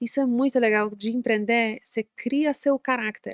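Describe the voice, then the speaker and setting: A woman's high voice with a non-native accent, fairly even intonation and a fairly slow pace. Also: dry, close sound with no echo. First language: not Portuguese (speaking Portuguese). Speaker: entrepreneur. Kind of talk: podcast interview.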